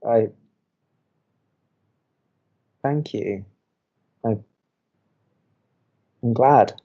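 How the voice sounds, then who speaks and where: A man's voice: medium pitch, extremely slow, highs cut off. An actor playing a reserved, antsy young man in love, a college radio co-host, with a hesitant, dry, understated delivery in an audio romantic comedy. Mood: flustered, moved. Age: young adult.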